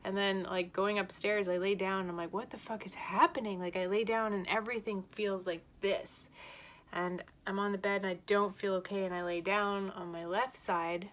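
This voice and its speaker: A woman's voice: mid-range voice, little pitch movement, moderate pace, a bit bright. A woman telling a personal story to camera in a chatty, candid way, laughing often, shaken by vertigo. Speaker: vlogger.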